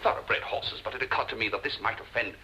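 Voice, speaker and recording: An actor playing a pompous, self-satisfied husband who loves making grand speeches, in a 1950s television drama. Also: male voice, on the low side, fast talker, bright, forceful tone, slight background noise, rough recording.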